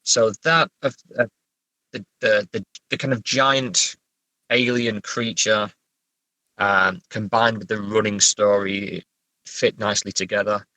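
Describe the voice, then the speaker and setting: Male writer, middle-aged, lowish crisp bright voice, halting and self-effacing in casual interview. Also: fairly even intonation, dry recording, rough recording. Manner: hesitant, stammering, self-deprecating. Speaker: guest writer discussing own story.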